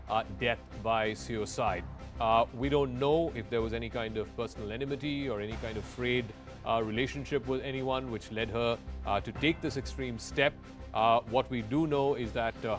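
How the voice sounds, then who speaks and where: A man with an Indian accent anchoring live television news, sometimes repeating words as he goes. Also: mid-range voice. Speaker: news anchor and debate host.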